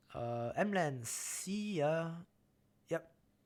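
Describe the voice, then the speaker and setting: In a very clean recording with a silent background, a man with a Singaporean accent talks with lively intonation. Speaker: gaming YouTuber and streamer. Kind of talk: live stream chat. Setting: live stream. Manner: casual, conversational.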